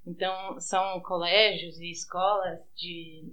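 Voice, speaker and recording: A woman's voice: fairly low pitch, little pitch movement, measured pace, sharp tone, lo-fi sound, a little hiss or hum. A woman from France with a Brazilian Portuguese accent, talking in an explanatory, informal way as an interview guest. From France, grew up on the outskirts of Paris. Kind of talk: informal interview, telling life story.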